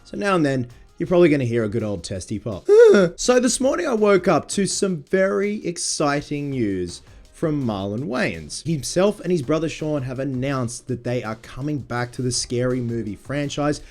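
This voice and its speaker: A man in his thirties talking casually to camera, with a husky, congested voice from a sinus infection. He sounds excitable and swears casually. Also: medium pitch, moderate pace, faint music behind. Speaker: movie vlogger.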